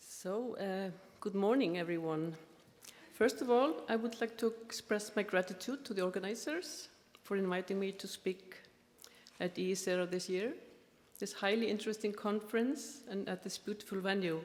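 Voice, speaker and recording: With an Icelandic accent, a woman talks at a moderate pace and medium pitch, her pitch varying in an ordinary way. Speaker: researcher, keynote speaker. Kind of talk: conference keynote lecture. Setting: conference stage with audience. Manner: hesitant with fillers.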